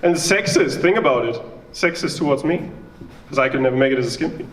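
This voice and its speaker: A young German man with a German accent does a chatty, self-mocking stand-up set, bantering with the crowd at a small live venue. His mid-range voice is expressive and brisk, and the recording sounds reverberant and distant.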